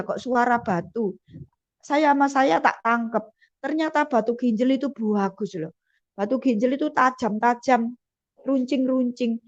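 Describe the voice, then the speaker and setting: A woman, giving an emotional personal testimony and acting out the dialogue in her story. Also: on the high side. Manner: vivid storytelling with quoted dialogue. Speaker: testimony speaker. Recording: dull lo-fi sound.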